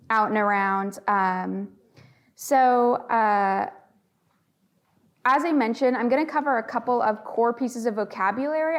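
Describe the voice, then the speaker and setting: A woman running a conference workshop, talking at an average pitch. She explains her points in a friendly, measured way and fills her pauses with ums, speaking into a microphone in a meeting room. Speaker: workshop facilitator. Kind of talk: conference session presentation.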